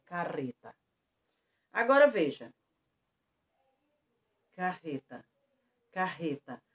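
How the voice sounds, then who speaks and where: A Brazilian woman teacher giving a lesson to schoolchildren, stressing example words slowly and clearly. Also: on the low side. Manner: lively, slow and emphatic on example words. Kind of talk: remote lesson for children.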